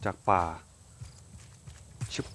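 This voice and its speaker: A man doing casual let's-play commentary, cursing freely, bursting out excitedly and talking to his game character like a friend. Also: very slow, a little hiss or hum. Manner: crude, swears a lot, excitable outbursts; talks to his game character as if to another person. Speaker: gaming YouTuber.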